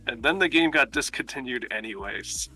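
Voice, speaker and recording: Laid-back American man with bright tone. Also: mid-range voice, animated, moderate pace, slightly rough, no room sound, low-quality recording. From United States. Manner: easygoing, laid-back and joking. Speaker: guest. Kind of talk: casual chat. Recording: faint background music.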